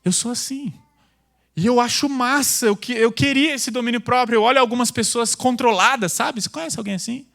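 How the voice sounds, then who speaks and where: A male pastor preaching a sermon, intense and loud, with casual slang. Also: very high-pitched, brisk, creaky. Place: church.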